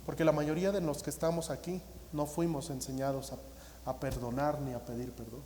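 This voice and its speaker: A man's voice: mid-range voice, fairly even intonation, a little fast, dark tone, slight background noise. A man with a Mexican Spanish accent preaching a sermon as pastor, earnest and pleading, often restarting his sentences. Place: church sanctuary. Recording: roomy church hall reverb.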